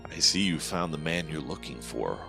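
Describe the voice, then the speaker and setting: A man voicing a dead miner possessed by a devil, speaking slowly with low, measured menace over background music. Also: expressive, creaky, heavily acted. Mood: menacing. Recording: music playing behind.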